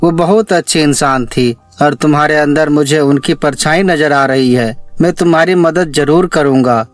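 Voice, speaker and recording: A man's voice: a little high, normal speed, natural voice. A benevolent magical pond that talks, acted by a man. It speaks solemnly and kindly, like a storybook spirit. Faint music sits behind the voice.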